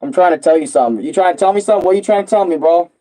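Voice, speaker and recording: A man rambling casually and excitably on a live stream, full of slang and repeating himself. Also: high voice, racing, rough recording. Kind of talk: casual, rambling live stream chat about comics and games.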